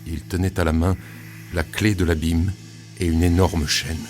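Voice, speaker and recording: Solemn prophet of doom, low-pitched and unhurried, reciting scripture for an audio drama. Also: male voice, flat delivery. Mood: solemn, portentous. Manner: solemn, portentous. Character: solemn male prophet reciting apocalyptic visions. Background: music.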